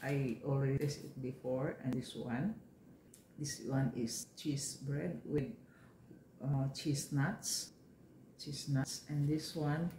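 Filipino lady vlogging at home, soft warm voice, pauses to find her words, a bit of room echo. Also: low-pitched, slight background noise. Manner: hesitant, searching for English words, says "guys" often. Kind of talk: casual mukbang vlog.

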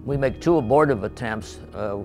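An older man from western Pennsylvania, seated in a studio, recounting his memories in a measured, halting way with many pauses. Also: mid-range voice, over music. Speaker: veteran interviewee. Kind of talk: recorded oral history interview. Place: indoor studio with painted backdrop.

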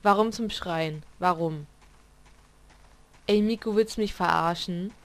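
A woman's voice: on the low side, a little slow. A woman giving unscripted commentary on a horror game she plays blind, jumpy, exclaiming, cussing and talking back to the characters. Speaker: let's player.

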